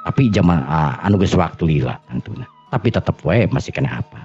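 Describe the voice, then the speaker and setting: A man with a very low voice and a Sundanese accent narrates a tale in an informal, oral way. He halts, repeats and corrects himself as he goes. The recording is dull and lo-fi, with music underneath. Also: sing-song, darkish tone. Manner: halting, repetitive, self-correcting. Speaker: storyteller. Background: background music.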